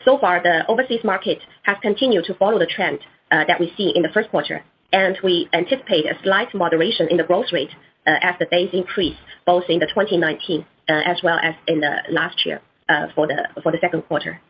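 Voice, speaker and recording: A woman's voice: on the low side, a little fast, breathy edge. A woman executive giving formal, prepared-sounding answers on an earnings call, with hesitant moments. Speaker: company executive. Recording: muffled conference call audio.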